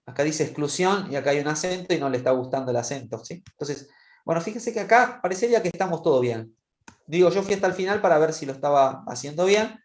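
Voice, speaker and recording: With an expressive, somewhat high voice and a fast delivery, a male instructor leads an online spreadsheet demonstration, patiently making sure students are following. The recording carries a roomy echo.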